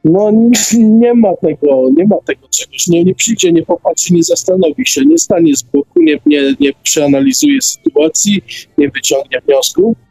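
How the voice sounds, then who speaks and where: A man's voice: high-pitched, animated, normal speed, warm tone, no room sound, soft background music, poor audio. A man taking part in a casual radio discussion, repeating words as he searches for phrasing.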